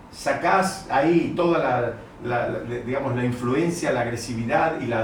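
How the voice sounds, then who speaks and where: A man with a Rioplatense accent and a slightly high voice teaches a Torah lesson in a classroom. He keeps asking his listeners questions and restates his points as he goes. The microphone sits some way off in an echoey room, with faint ambience behind him. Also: slight background noise. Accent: Rioplatense Spanish. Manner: poses rhetorical questions to the class and rephrases often. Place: classroom with students. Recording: roomy recording with mic at a distance.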